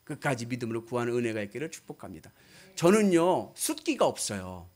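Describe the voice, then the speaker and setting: A man's voice: medium pitch, very animated, fairly quick, darkish tone. A man preaching a sermon as a pastor, exhorting emphatically and putting questions to his listeners. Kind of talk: sermon with storytelling and direct questions to congregation.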